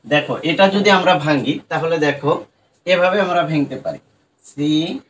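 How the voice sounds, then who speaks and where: Male teacher, online lesson, patient and repetitive, slightly high voice, faint background noise. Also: animated, a bit bright, rough recording. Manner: patient, repeats words slowly while writing. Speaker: English pronunciation teacher.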